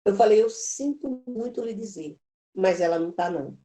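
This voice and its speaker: A woman's voice: medium pitch, normal speed, mellow. A woman teaching a Bible institute class, telling a personal story in an emphatic, preacherly way with lots of repetition.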